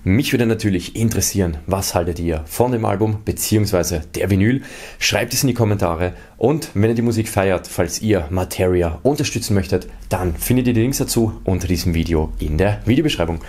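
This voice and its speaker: A man's voice: deep voice, fairly quick, a little mellow. A man hosting an unboxing video, casually and methodically describing items to viewers. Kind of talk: casual product showcase commentary to viewers.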